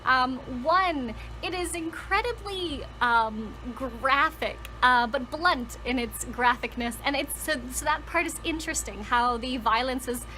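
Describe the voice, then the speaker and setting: Bright, high-voiced woman chatting enthusiastically. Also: a little slow, hardly any pauses, poor audio. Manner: enthusiastic, conversational, emphatic repetition of words. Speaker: book vlogger and storytelling channel host. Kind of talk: casual chatty book talk to viewers.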